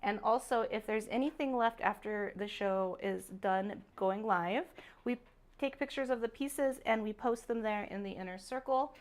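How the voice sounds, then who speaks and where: A woman hosting a live-streamed jewelry sale, chatty and upbeat, greeting viewers by name, her voice a little raspy from a sore throat. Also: mid-range voice, moderate pace. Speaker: jewelry show host. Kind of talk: live-stream sales chat.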